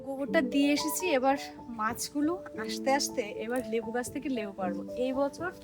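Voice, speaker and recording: High-pitched woman vlogging. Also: brisk, over music. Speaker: vlogger and host. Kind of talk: casual village vlog chat to viewers and companion. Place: outdoors in a village.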